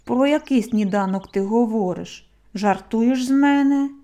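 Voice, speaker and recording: An eager little hedgehog boy with a high, bright-edged voice and loud exclamations, as a woman reading a storybook plays him. He is quick to take offense and restless. The tone stays warm and mellow underneath. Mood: earnest. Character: eager excitable young male hedgehog.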